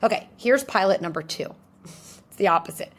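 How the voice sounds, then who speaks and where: A woman being interviewed, explaining ideas in an animated way and acting out little scenarios in different voices. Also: mid-range voice, moderate pace. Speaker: guest psychologist. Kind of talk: interview answers.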